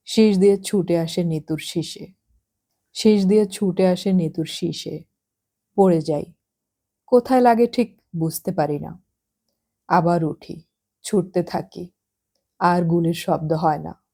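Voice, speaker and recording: A woman narrating a literary novel as an audiobook. Her voice sits low and mellow, and she reads in a measured, reflective way.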